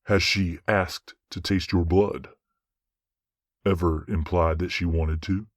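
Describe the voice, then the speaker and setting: A man playing a stern but fair angel judge in an audio drama, speaking in a measured, commanding, formal way. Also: low voice, fairly even intonation, dry recording, clean studio sound.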